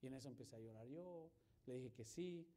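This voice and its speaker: A male pastor preaching a sermon, swinging from loud emphasis to hushed storytelling and acting out the dialogue he quotes. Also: medium pitch, a little fast. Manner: acts out quoted dialogue in his telling.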